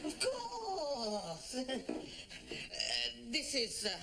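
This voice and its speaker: A pompous middle-aged dad with a Pakistani accent, all bluster and nervous chuckles. His voice swings wildly up and down, slow and gravelly, and a studio audience roars with laughter behind him. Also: very high voice, wildly swooping pitch, a crowd in the background, full character voice. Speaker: sitcom lead.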